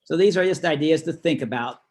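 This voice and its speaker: A man's voice: a little high, fairly quick. A man working as a class instructor, explaining things conversationally in an informal online lesson. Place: online video call.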